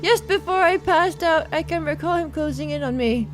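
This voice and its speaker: A woman plays a prim, long-suffering young lady in a visual novel. Her voice is very high, her phrasing formal and measured as she tells her tale. Faint music sits underneath. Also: natural voice. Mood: prim, reproachful.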